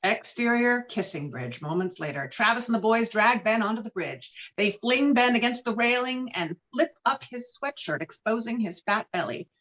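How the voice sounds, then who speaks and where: A woman's voice: on the high side, lively intonation, normal speed, hardly any pauses, fairly bright tone. A woman reading stage directions as the narrator of a dramatic script table read. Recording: dull, lo-fi call audio.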